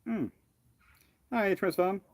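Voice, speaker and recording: A man hosting a casual live question-and-answer stream, thinking aloud in a halting, rambling way. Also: high-pitched, gravelly, darkish tone, no echo. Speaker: livestream host, naval historian. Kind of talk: casual live Q&A with off-the-cuff commentary.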